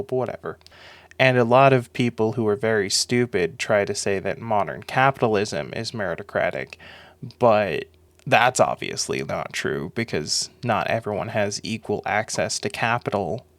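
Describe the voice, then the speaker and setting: A young man with a sore throat delivers a sarcastic monologue, swearing now and then. His voice sits low and rasps with vocal fry. The sound is dry and close, with no room echo. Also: fairly bright tone. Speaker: video essay host.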